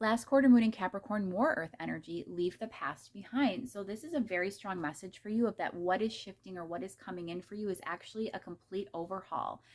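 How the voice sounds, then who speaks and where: Vocal fry runs through a woman's voice at medium pitch. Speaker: tarot reader. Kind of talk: tarot reading. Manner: hesitant with fillers.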